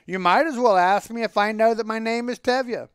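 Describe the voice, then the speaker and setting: A man's voice: high voice, lively intonation, normal speed, smooth, no echo, clean studio sound, voice pushed up. A man voicing a poor, pious Jewish milkman from a storybook, declaiming in a wry, pleading, long-winded way. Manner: declamatory, rhetorical.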